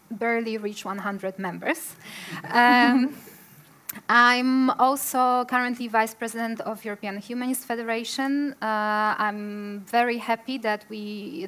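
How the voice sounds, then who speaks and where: A woman's voice: medium pitch, fairly bright tone. Polish-accented woman with a mid-range voice. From Poland. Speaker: panel guest, association president. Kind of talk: informal self-introduction at a panel.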